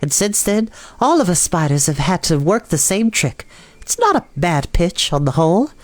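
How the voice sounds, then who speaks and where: A woman's voice: lowish voice, sing-song, moderate pace, dry recording. A woman voicing a small female storybook spider, pleasant, proud and matter-of-fact, with a thin, light voice. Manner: pleasant, precise, self-assured.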